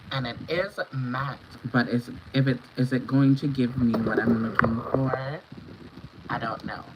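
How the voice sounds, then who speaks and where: A woman from Antigua and Barbuda, hoarse from a cold, talking viewers through a makeup look on a livestream. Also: a bass voice. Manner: chatty, instructional, greets viewers by name. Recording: dull lo-fi stream audio with clear background noise.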